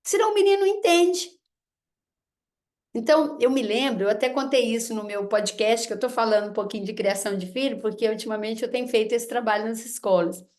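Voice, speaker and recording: Animated high-voiced woman lecturing. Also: brisk. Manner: animated, acts out parent and child lines. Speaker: speaker giving a talk on parenting. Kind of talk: lecture to an audience.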